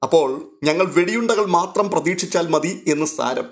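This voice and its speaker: A smooth, falsely hearty politician, read by a male narrator, raised a little in pitch. He sounds diplomatic and cheerful on the surface, in a storybook reading. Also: expressive, moderate pace. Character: smooth, jovial middle-aged politician.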